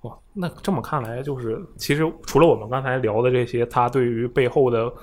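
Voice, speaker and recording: A man chatting in a podcast who speaks quickly and with eager enthusiasm, often chiming in with short agreements. His pitch sits squarely in the middle. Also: fairly even intonation, a little mellow. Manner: enthusiastic reactions and summaries, frequent "嗯" backchannels. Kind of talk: casual chat about a video game.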